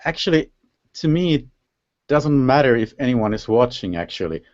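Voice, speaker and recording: A man's voice: mid-range voice, very animated, normal speed, darkish tone, dry recording. A man from Finland, a native Finnish speaker with a Finnish accent, hosting a casual interview and often searching for words. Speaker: interview host. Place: live video call. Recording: dull lo-fi online call audio.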